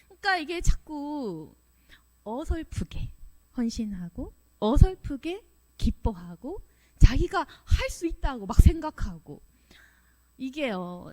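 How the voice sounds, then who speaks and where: High, lively woman preaching emphatically. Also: takes it slowly. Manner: animated, acts out dialogue in quoted voices; direct, emphatic, addresses the congregation. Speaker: pastor. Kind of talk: sermon at a Friday prayer meeting.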